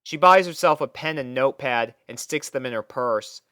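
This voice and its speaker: A man's voice: medium pitch, moderate pace, pushed and bright, clear, resonant tone, no echo, clean studio sound. A man reading scripted first-person story narration as the narrator.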